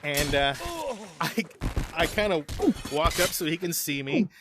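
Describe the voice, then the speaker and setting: A man's voice: a little high, unhurried, over music. A man hosting a gaming channel, telling a rambling story in a casual way, often chuckling and restarting his sentences. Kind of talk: casual storytelling over gameplay.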